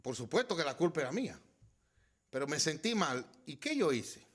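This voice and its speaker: Preaching at normal speed, a middle-aged pastor has a slightly high, sing-song voice. He shifts between loud exhortation and quiet storytelling while calling his congregation brothers.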